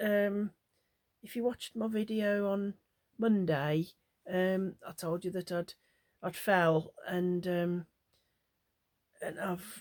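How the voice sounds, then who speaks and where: Delivered in an English accent at a very slow pace, the speech has long, frequent pauses. Its intonation stays fairly even. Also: woman, medium pitch for a woman. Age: 60s. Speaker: crochet vlogger. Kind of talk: casual chat. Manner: halting.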